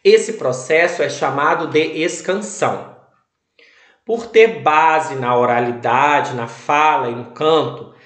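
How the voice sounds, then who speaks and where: A man teaching a recorded lesson at an unhurried pace, his voice sitting a little high for a man. He lays out each point deliberately and leans on the syllables he wants heard. The sound rings in a roomy, echoey space. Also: fairly bright tone. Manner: slow, deliberate explanation, stressing syllables.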